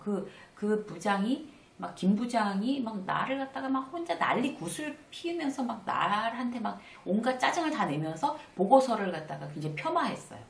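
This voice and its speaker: A woman's voice: fairly high pitch, moderate pace, vocal fry, few pauses, slight background noise. A middle-aged woman giving a casual lecture on workplace life, acting out small dialogues as she goes. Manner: conversational, acts out little dialogues with animated asides. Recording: roomy, slightly distant mic.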